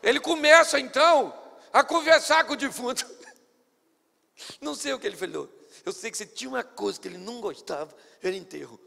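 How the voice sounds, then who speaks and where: A man's voice: very high voice, expressive, fairly quick, gravelly, pushed and bright, in a large hall. A male pastor preaching a sermon at a church service, theatrical and playful.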